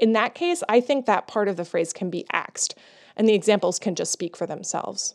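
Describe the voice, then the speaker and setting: The recording is very clean, with a silent background. A woman speaks at a moderate pace with very wide pitch swings. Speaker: podcast host, query critiquer. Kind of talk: critique commentary. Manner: casual with fillers.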